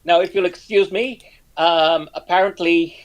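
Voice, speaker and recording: A man bantering casually as a panelist, halting and repeating his phrases. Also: sits high, fairly even intonation, muffled recording. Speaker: discussion panelist.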